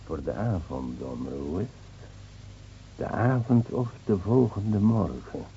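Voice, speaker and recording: An actor playing a frightened, muttering village man in a Dutch radio drama, halting and ominous as he repeats himself. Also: deep voice, very animated, creaky, mellow, a little hiss or hum, exaggerated voice. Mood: fearful. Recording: muffled, humming old radio recording.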